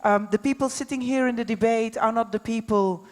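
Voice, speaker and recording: A woman moderating a live debate, speaking politely in halting phrases. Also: a little high, a little mellow. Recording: echoey hall, long reverb.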